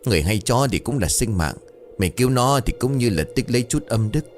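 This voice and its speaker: A man voicing a stubborn old boatman who speaks gruffly and firmly. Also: mid-range voice, lively intonation, a little fast, soft background music, natural voice. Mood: gentle. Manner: gruff, curt, resolute.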